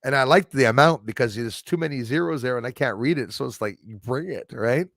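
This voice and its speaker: A man's voice: mid-range voice, a little fast, gravelly, a bit bright, dry recording, clean studio sound. A man chatting casually as a livestream host, enthusiastic and rambling, addressing his viewers like buddies. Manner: enthusiastic, rambling, chummy with listeners.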